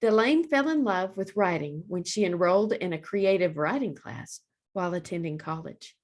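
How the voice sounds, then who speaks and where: A woman's voice: lowish voice, lively intonation, moderate pace. Woman reading a children's storybook aloud.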